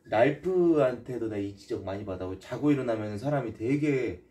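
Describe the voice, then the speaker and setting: A man's voice: medium pitch, lively intonation, normal speed, warm tone. Pleading man streamer, slightly distant. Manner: pleading, repeats questions over and over. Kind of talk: casual chat on a live stream.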